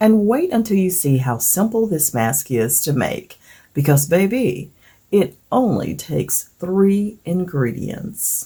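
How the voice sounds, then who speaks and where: A woman speaks very slowly, her voice fairly low, dark, mellow and somewhat breathy. Her pitch swings very widely. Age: 60s. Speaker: beauty vlogger. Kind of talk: tutorial. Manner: animated.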